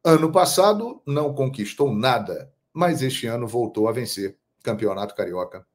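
A man in his fifties from Brazil, hosting his own show and commenting on football straight to the camera with emphatic, animated storytelling. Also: mid-range voice, moderate pace. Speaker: host, sports narrator.

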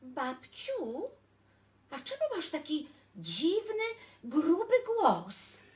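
A woman's voice: high voice, very animated, very slow, a little mellow, full character voice. A woman voicing Little Red Riding Hood, a cheerful little girl, in a childlike sing-song voice. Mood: curious. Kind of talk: improvised storybook role-play.

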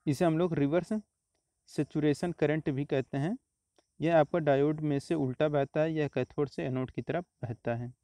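A man walks through exam questions one by one, repeating each answer in a steady teaching manner. His voice is mellow and smooth, a little higher than most men's. The recording is close and dry. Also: normal speed, dry recording. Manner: steady explanatory, repeats answers, frequent "तो देखिए" and "आपका". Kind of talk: explaining exam questions over slides.

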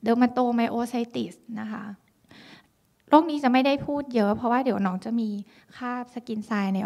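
A woman's voice: a little high, creaky, darkish tone. A woman physician giving a dermatology lecture, explaining conditions step by step and mixing in many English medical terms. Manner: explanatory, mixes English medical terms, frequent polite particles.

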